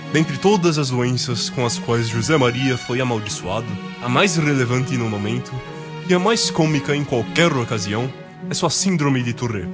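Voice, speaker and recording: A man giving scripted, mock-solemn narration for an amateur radio drama. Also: medium pitch.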